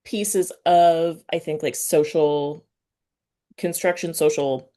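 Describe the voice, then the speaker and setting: A woman with a clearly low-pitched voice hosts a casual, personal interview. She speaks earnestly and hesitantly, feeling her way toward each thought. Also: fairly even intonation, slow, dark tone. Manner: hesitant, searching for words, earnest. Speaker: podcast interviewer.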